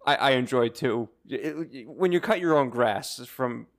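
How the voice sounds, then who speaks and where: A man chatting casually as a podcast co-host, halting and conversational as he thinks out loud. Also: medium pitch, slight background noise. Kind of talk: casual chat.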